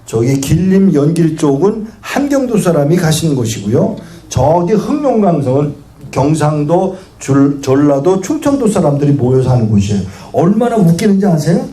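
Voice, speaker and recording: A man's voice: a little high, moderate pace. A male guest pastor preaching a sermon to a congregation, telling stories and asking the audience questions. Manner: animated storytelling preacher who asks the audience questions. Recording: echoey hall with faint noise.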